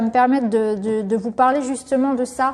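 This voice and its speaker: Her voice is high-pitched. The woman talks at a moderate pace. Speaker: tarot card reader. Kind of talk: tarot reading talk to camera. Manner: rambling, hesitant.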